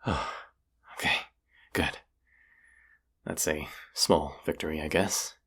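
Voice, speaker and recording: A man playing a cocky, self-deprecating young vampire hunter in a roleplay audio, with a gravelly, teasing, casually sarcastic delivery. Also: extremely low pitch, takes it slowly, a bit bright, heavily acted. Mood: resigned, self-mocking.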